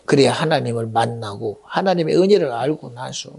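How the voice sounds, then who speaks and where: Gravelly, animated male pastor preaching. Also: medium pitch, a little fast. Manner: impassioned, swings between hushed whispers and loud exclamations. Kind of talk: Sunday sermon. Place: church sanctuary.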